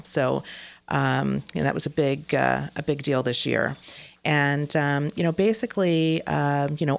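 A woman's voice: very deep voice, gravelly, dry recording. A middle-aged woman hosting a real estate show, explaining the rules in a casual way, full of ums and uhs. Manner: many fillers and hesitations.

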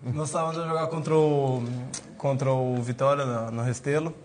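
A man's voice: medium pitch, fairly even intonation, normal speed, darkish tone, a little hiss or hum. A man, a former footballer, recounts a match story in an amused, chatty way. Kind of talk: casual storytelling.

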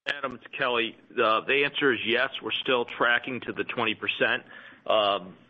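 A man speaking as a company executive, explaining things to analysts on an earnings call in halting phrases. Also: mid-range voice. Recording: thin phone-line conference audio.

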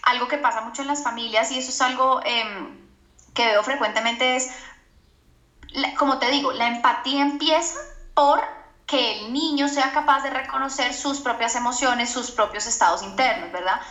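A woman's voice: high-pitched, normal speed, fairly bright tone. A woman psychologist explaining to a podcast host in an earnest teaching tone, often asking for agreement. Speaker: psychologist guest on a parenting podcast. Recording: roomy echoing sound.

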